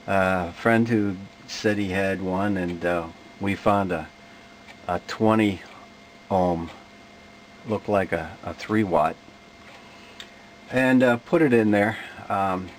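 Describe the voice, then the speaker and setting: A man casually recounting his hobby repair work off the cuff, in halting phrases with searching pauses. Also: sits low, low-quality recording. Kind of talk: casual unscripted repair account. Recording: clear steady background noise.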